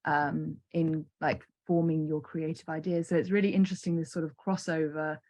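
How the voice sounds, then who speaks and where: A woman's voice: deep voice, flat delivery, moderate pace, a little mellow, no echo. A young woman from Cumbria giving an informal, slightly hesitant presentation on a video call. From Cumbria, England. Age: young adult. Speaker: arts project representative.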